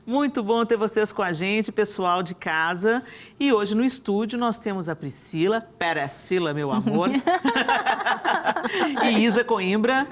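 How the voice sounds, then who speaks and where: A woman's voice: mid-range voice, lively intonation, takes it slowly, faint music behind. A woman hosting a TV talk show from a studio, speaking enthusiastically with frequent restarts and tag questions. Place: television studio.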